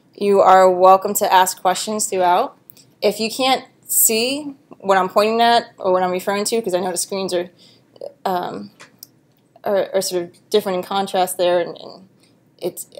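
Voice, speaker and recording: Long, frequent pauses break up a woman's speech. Her pace is moderate. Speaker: course instructor. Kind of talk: lecture. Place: classroom.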